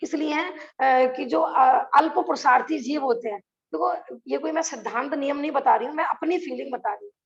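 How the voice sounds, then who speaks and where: Earnest high-voiced woman teaching scripture. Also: moderate pace, creaky, hardly any pauses, highs cut off. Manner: earnest, rhetorical questions. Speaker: religious teacher. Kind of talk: online scripture class.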